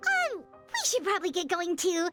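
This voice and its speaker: A woman voicing a tiny floating girl companion, chirpy and fussy, with a high squeaky voice, in game audio. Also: huge pitch swings, normal speed, exaggerated voice. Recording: game audio with music underneath.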